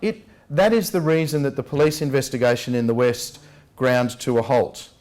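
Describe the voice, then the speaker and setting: An Australian man delivering an investigative lecture in an emphatic, rhetorical manner, leaning on key words with deliberate stress. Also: medium pitch, animated, a little mellow. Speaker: public speaker, lecturer. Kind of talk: public address, investigative lecture. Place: public talk at a venue.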